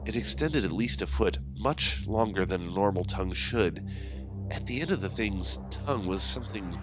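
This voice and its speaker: Male horror narrator, low register, measured theatrical delivery, scripted storytelling with clear music bed. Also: lively intonation, rough recording. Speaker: horror anthology host and narrator.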